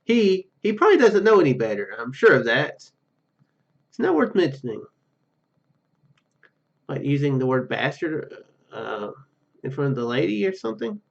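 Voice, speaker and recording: A man doing a let's play, reading story text aloud haltingly and dropping in casual asides. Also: on the high side, very animated, creaky, muffled recording. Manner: halting, stumbles over read words. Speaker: gaming YouTuber.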